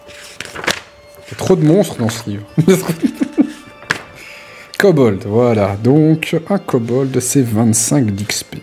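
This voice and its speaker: A man acting as game master, casually running a tabletop role-playing session and talking players through it. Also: medium pitch. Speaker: game master and channel host. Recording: music behind. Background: music.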